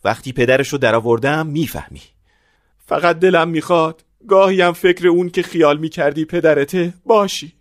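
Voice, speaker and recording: In a lightly acted, studio-quality radio play with no echo, a man with a fairly high voice plays the father of the bride, a stingy, scheming middle-aged man. He shifts from blustering to wheedling, sounding pleading and bitter.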